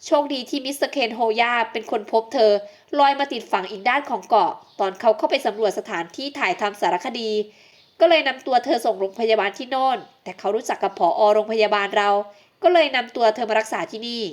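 An earnest young female surgeon in a romance audio novel talks in a slightly high, hurried voice. A woman reader voices her in her own tone. She explains things briskly and seriously. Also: lightly acted.

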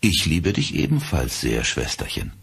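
A man reading a calm, cold, insistent eleven-year-old boy in an audiobook, with a husky voice. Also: low-pitched, moderate pace, full character voice. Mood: teasing.

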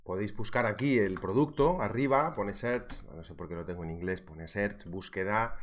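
A man's voice: lowish voice, moderate pace. Joking man teaching trading. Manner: jokey, chatty, reads viewer chat aloud. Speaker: trading instructor. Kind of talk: live trading webinar, casual teaching.

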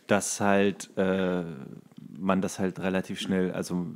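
A man co-hosting a casual football chat, talking colloquially and telling things in an animated, slangy way. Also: deep voice, slow. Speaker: podcast co-host.

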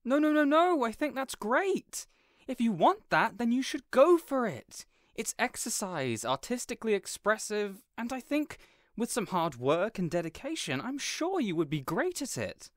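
A man's voice: very high voice, big pitch swings, normal speed, fairly bright tone, no room sound, studio quality, exaggerated voice. A man playing a kindly, encouraging villain boss in an audio roleplay, speaking earnestly and reassuringly. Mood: excited, encouraging. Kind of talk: character audio roleplay acting.

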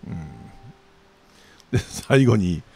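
A man's voice: on the low side, takes it slowly, warm tone, husky. A man with a Kansai accent giving a chatty newspaper commentary, full of jokey asides.

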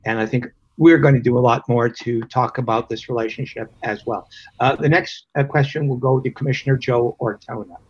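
An older man moderates a panel in a husky voice, polite and measured. The sound comes through a dull, lo-fi video call. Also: mid-range voice, steady tone.

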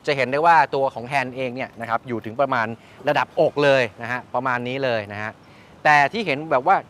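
In a fast, slightly bright mid-range voice, a male host runs a casual motorcycle review and interview. He explains points and repeats the guest's replies to confirm them. The setting is a shop beside traffic, so vehicles and outdoor noise carry through.

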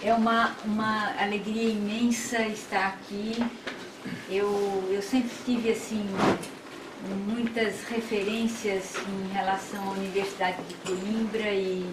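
An older woman from Brazil with a Brazilian Portuguese accent, giving an academic lecture in a seminar room in slow, measured, reflective phrasing. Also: medium pitch, far from the mic. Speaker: guest lecturer. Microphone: far room camera. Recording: echoey room from afar, background noise.

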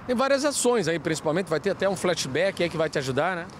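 A male reporter with a Southern Brazilian accent, asking quick, chatty questions in an outdoor street interview. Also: on the high side, very animated, background noise. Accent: Southern Brazilian Portuguese. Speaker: field reporter.

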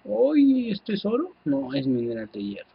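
A man with a Mexican accent giving casual, excitable gameplay commentary, swearing freely and talking to his viewers. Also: sits high, moderate pace, creaky, lo-fi sound, slight background noise. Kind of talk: casual let's-play commentary.

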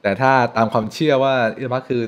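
A young man hosting a finance channel, explaining stock news to camera in an animated, chatty way from a room at home. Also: mid-range voice, fast, clear, resonant tone. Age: young adult. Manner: animated, chatty, frequent polite particles. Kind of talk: casual explainer talk to camera. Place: home room with shelves, indoors.

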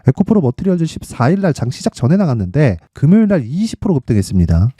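A man hosting an informal stock market commentary, emphatic and full of rhetorical questions and tag questions as he pitches his picks. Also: big pitch swings, fast talker, dark tone, breathy edge, no room sound, studio quality. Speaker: stock trading channel host.

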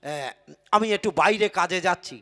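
A man voicing a sly, clever village husband in a comic folk puppet show, muttering quick asides to himself. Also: sits high, bright, forceful tone. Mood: scheming. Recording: tabla music behind. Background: tabla and folk music.

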